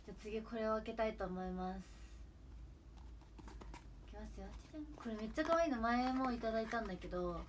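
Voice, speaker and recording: A woman's voice: fairly high pitch, fast talker, pauses often, slight background noise. A young woman from Kagawa, Japan, hosting an idol livestream, chatting casually and gushing to viewers on a close phone mic.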